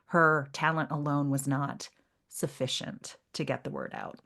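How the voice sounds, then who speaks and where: Low-voiced woman, reflective podcast co-host. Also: steady tone, a little slow, a bit bright. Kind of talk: casual literary discussion.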